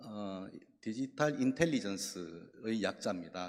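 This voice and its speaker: With a Busan accent and lively intonation, a man speaks on a very clean recording with a silent background. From South Korea, Busan. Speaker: bank executive. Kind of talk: conference keynote speech. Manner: halting, many fillers.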